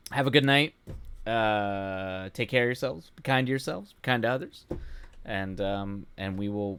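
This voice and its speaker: A man hosting a casual live stream, rambling with halting restarts and laughing often, his voice starting to go hoarse. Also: on the low side, a bit bright, no echo. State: voice going hoarse. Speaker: streamer host.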